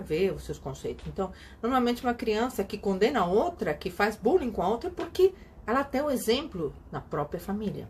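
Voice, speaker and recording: This woman speaks with a Spanish accent at a fairly quick pace. Her somewhat breathy voice sits at a fairly high pitch and moves in very wide swings. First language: Spanish (speaking Portuguese). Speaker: psychologist. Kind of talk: casual video talk, opinion.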